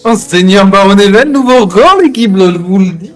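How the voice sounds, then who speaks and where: A man's voice: high voice, a little fast, crowd noise. A man chatting casually and jokingly in slang as he streams an online roleplay game. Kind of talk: casual gaming banter.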